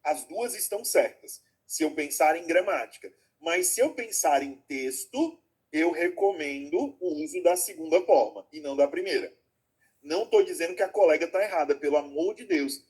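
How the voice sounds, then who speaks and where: Over a video call, a man teaches an online class step by step, frequently checking in with his students and affectionately calling them "my loves." His voice is fairly high, expressive, and husky with a darkish tone, and he speaks at a moderate pace.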